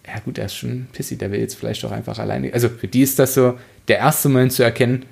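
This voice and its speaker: A man's voice: mid-range voice, little pitch movement, quick pace, vocal fry, darkish tone. A man co-hosting a casual book podcast, arguing his points in blunt, slangy language. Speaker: podcast co-host.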